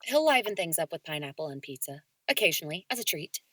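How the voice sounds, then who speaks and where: A woman's voice: fairly low pitch, big pitch swings, fast talker, fairly bright tone, no room sound. A woman chatting casually and playfully as a voice actor guest on a podcast. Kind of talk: casual chat.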